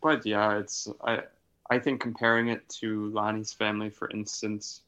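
A mid-pitched speaker in a casual podcast conversation, talking in a measured way after some hesitant starts. The recording is a little dull and muffled. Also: flat delivery, fairly bright tone, clear, resonant tone. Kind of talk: casual chat.

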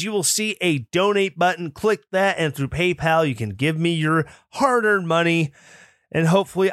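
A man's voice: a little high, fairly bright tone, no echo, clean studio sound. A man hosting his own political commentary podcast, opinionated and mocking, sometimes mimicking opponents in snooty put-on voices. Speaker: podcast host.

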